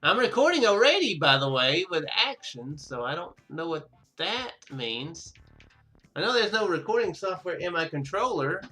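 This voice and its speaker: Male let's play host: bright, very animated delivery, rambling think-aloud commentary, light music underneath. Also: high voice, moderate pace. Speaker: gaming video host.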